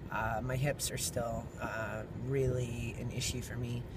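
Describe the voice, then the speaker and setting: A man's voice comes through with noticeable background noise around it. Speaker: vlogger. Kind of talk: casual video diary update. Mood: relaxed, upbeat. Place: car. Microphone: phone near.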